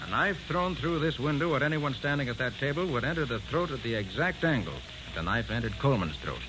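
An actor playing a shrewd, self-assured detective in a 1940s radio drama, brisk and coolly polite as he probes. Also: medium pitch, lively intonation, lightly acted. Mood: businesslike. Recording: noisy old 1940s radio recording.

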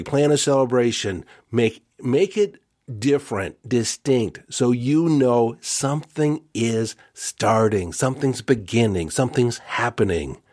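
A man's voice: mid-range voice, a little mellow, no room sound, clean studio sound. A man hosting a motivational podcast, coaching the listener directly in an upbeat, encouraging way. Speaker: podcast host.

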